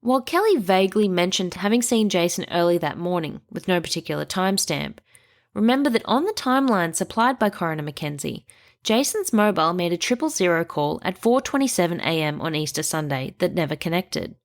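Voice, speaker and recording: A woman hosting a true crime podcast, reading a measured scripted narration with a stuffy nose. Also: lowish voice, sing-song. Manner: measured, reasoning aloud through evidence.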